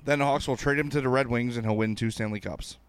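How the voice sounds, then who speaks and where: A man's voice: medium pitch, fast talker, smooth. A man co-hosting a casual sports podcast, talking in a wry, joking manner. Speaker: podcast co-host.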